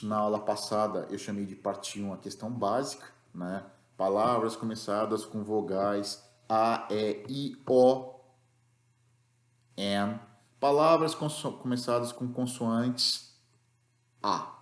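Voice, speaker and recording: A man with a Brazilian Portuguese accent teaches an English grammar lesson, patiently explaining rules and checking in with the class after each point. His voice is fairly low, and the sound is roomy.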